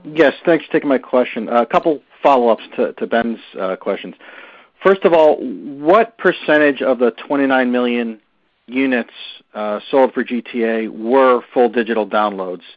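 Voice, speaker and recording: A man's voice: medium pitch, moderate pace, dry recording. A man analyst asking several numbered follow-up questions on an earnings call. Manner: orderly, lists points one by one. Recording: dry tinny phone line.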